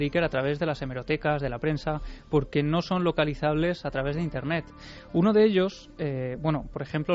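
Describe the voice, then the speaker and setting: Male radio storyteller, higher pitch, lo-fi broadcast, faint music. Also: a little mellow. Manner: narrative, addresses the host directly. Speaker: radio show contributor.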